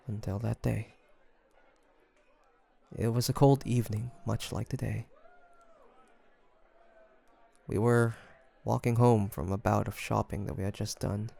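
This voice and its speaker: A man's voice: fairly low pitch, creaky, dark tone. A man playing a young demon hunter in an audio roleplay, flustered and haunted, speaking in hesitant, stammering phrases. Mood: wistful. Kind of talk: scripted audio roleplay monologue.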